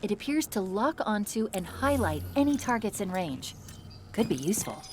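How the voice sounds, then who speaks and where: A woman's voice: medium pitch, very animated, moderate pace, darkish tone, a little hiss or hum, lightly acted. A woman playing a confident, quippy young AI companion who briefs a soldier in a video game. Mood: focused, concerned. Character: young female AI companion, bright, wry, confident.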